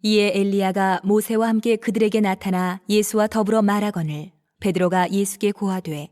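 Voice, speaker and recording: A woman narrating scripture in a calm, even, reverent manner. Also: medium pitch, moderate pace.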